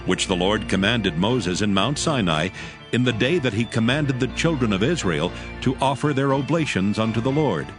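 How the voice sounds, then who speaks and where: Deep-ish guy narrating bible drama, formal n solemn, expressive ups and downs, music clearly under him. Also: normal speed.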